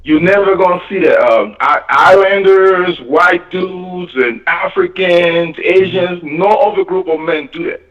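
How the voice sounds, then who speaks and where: High-voiced male caller, echoey line. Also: measured pace, few pauses. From Colorado. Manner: lecturing, repeats points. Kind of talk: call-in opinion. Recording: distant echoey muffled phone call.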